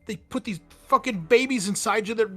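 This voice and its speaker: A man's voice: high voice, fairly quick, fairly bright tone, faint music behind, pitched above the performer's own voice. A man voicing a terrified, pleading woman, stammering and swearing as a victim in a tabletop horror game. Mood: panicked, distraught. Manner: stammering, repetitive, foul-mouthed.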